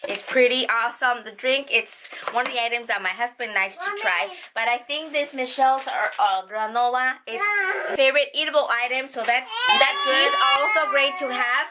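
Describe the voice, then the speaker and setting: A woman reviewing products in a chatty vlog, with excited exclamations. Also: high voice, moderate pace, background noise. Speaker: unboxing vlogger.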